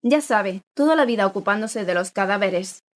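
Woman voicing a helpful receptionist, confiding, mid pitch. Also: animated, moderate pace, lightly acted. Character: friendly female hospital receptionist.

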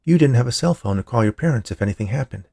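Man voicing a doting mom, slightly lifted pitch. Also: expressive, quick pace, creaky, warm tone, dry recording, clean studio sound. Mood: chiding. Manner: doting, chiding. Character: fond, protective mother of a teenage son.

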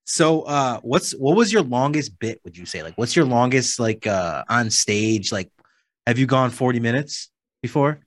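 A man's voice: mid-range voice, expressive, normal speed, no echo. A man hosting a podcast, asking questions in a laid-back way with "man" and "dude". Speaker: podcast host. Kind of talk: casual podcast interview.

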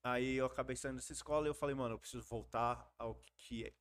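Brazilian guy on a podcast, chill slangy storytelling, mid pitch. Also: steady tone, quick pace, clear, resonant tone. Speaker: podcast guest. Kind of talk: casual storytelling chat.

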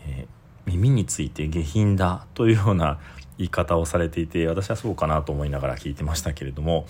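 Buddhist priest, man, low voice, unhurried dharma talk, patient and explanatory. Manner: patient, explanatory, frequent soft fillers.

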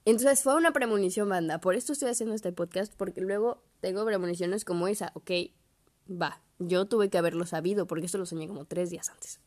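A woman's voice: on the low side, brisk, a little mellow. Young Mexican woman, podcast host, casual slangy storyteller who swears and acts out quotes. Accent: Mexican Spanish.

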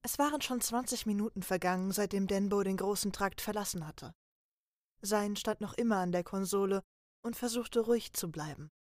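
A woman narrating a children's holiday story in a soft, even storytelling voice. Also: mid-range voice, moderate pace, no echo, studio quality. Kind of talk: storybook reading.

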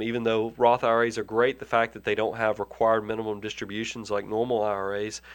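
A man hosts a personal finance program while nursing a head cold. He explains tax rules in an earnest, conversational way, often restarting and repeating words as he works through a point. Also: on the low side. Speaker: financial advisor hosting a money show. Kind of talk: conversational radio-style advice.

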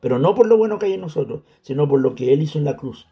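A man's voice: fairly high pitch, animated, fast, lo-fi sound. A man hosting Christian radio talk, preaching emphatically to listeners. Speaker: radio host.

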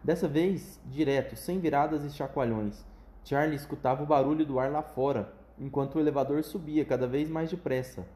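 A man reads a children's storybook aloud in a mellow, slightly high voice. He pauses now and then to chat patiently with the listener. The room is roomy and echoing. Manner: patient, conversational asides. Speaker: parent reading aloud. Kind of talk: reading a children's book aloud.

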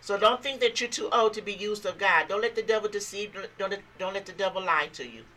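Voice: medium pitch, quick pace, pushed and bright, slight background noise, poor audio. A radio host in Christian radio talk, speaking emphatically and repeating key phrases to listeners.

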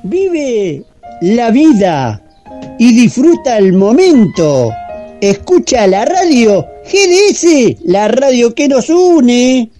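A man putting on a slow, sing-song male radio slogan announcer voice. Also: extremely high pitch, big pitch swings, mellow, soft background music, pitched above the performer's own voice, full character voice.

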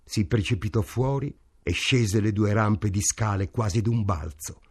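Slow, measured male narrator. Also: lowish voice, darkish tone, slightly rough. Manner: measured, unhurried storytelling. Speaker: reader. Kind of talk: audiobook narration.

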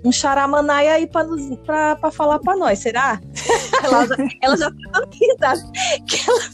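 Brazilian woman hosting a church-y podcast, kinda high voice, chatty, lots of "né?", soft music under it. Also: expressive, moderate pace. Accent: Brazilian Portuguese. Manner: chatty, with frequent fillers and tag questions. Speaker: podcast host. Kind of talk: casual Christian podcast chat. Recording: faint background music.

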